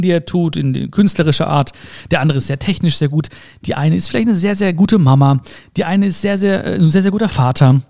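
A man with a high, gravelly voice delivers a casual motivational monologue directly to the listener. He is animated, firing off rhetorical questions and playful sound words.

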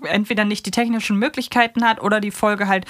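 A woman's voice: medium pitch, steady tone, fast talker, fairly bright tone, dry recording. A woman co-hosting a podcast, explaining things in a casual conversational style close to the microphone. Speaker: podcast co-host.

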